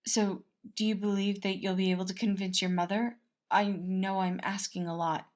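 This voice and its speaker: A woman voicing an earnest, protective male royal advisor in a measured, formal way for a storybook tale. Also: medium pitch, level tone, close to an everyday voice. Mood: earnest, polite.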